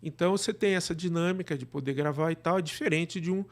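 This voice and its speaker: A man with a Brazilian accent answering interview questions conversationally, explaining in a halting way and often checking with the listener. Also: on the high side. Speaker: podcast guest, radio drama producer.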